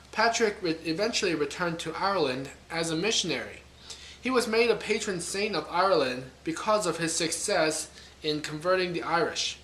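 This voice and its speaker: A man's voice: on the high side, pushed and bright, slight background noise. A man rambling casually to camera, thinking aloud and correcting himself with wry asides. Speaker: vlogger. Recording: echoey room.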